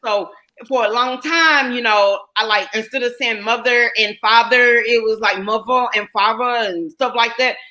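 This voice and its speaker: A woman's voice: a little high, steady tone, moderate pace, bright, forceful tone. A woman with a Southern US accent from North Carolina, hosting a casual live chat and reading out viewer comments. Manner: chatty, reads viewer comments aloud. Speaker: livestream host.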